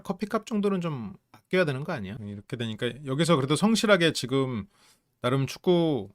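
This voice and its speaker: A man talks through a reality show in a loose, casual way, his pitch swinging widely as he mimics the people he quotes. The sound is dry and close. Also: no room sound. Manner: animated, acts out quoted lines in raised voices. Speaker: psychology channel host reviewing a reality show. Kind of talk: casual commentary.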